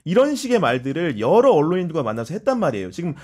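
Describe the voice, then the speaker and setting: A man hosting a political talk show, asking questions in a fast, hedging way. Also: a little high, huge pitch swings, a little mellow.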